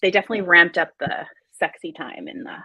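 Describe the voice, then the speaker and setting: Husky woman chatting about books. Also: fairly low pitch, fast, bright, forceful tone, no room sound. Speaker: book club live show host. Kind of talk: casual book discussion.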